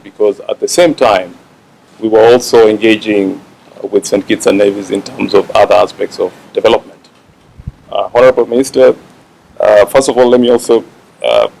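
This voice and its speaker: A man from a regional telecom body giving a formal speech, halting with fillers. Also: lowish voice, gravelly, darkish tone, poor audio. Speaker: visiting official from a regional telecom organisation.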